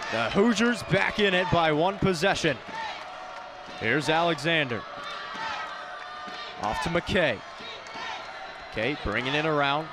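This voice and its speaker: A young American man doing live play-by-play sports commentary, projecting with urgency. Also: high-pitched. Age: young adult, about 20. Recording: loud crowd noise from the arena. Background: sports crowd and game ambience.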